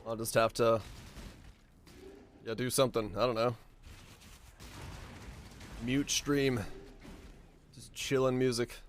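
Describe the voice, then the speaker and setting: A hoarse man with a raspy, fading voice chatting casually while streaming a game, rambling and halting, swearing now and then. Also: mid-range voice, fairly even intonation, slight background noise. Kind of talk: casual gaming stream commentary.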